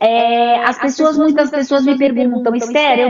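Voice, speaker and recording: A woman's voice at a fairly slow pace. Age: 60s. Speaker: headhunter and speaker. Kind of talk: podcast interview.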